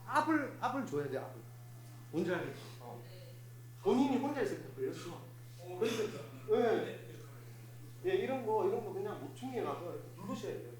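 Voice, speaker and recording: A man's voice: sits high, big pitch swings, brisk, pauses often, darkish tone, reverberant. A man leading a hands-on first aid demonstration for a live group, instructive and repetitive as he talks the group through each step. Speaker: fire safety instructor. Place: hall of a place of worship.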